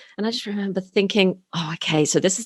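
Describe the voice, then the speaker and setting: Recorded very cleanly against a silent background, a woman with an Australian accent sounds dry and close, with no echo. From Australia, Sydney. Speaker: historian and author. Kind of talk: interview.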